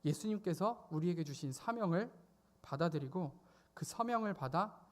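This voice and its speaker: A male youth pastor delivers a sermon at a church service. His voice sits a little high for a man. He talks in an animated way, rising into sudden loud exclamations whenever he acts out a quoted voice. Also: normal speed.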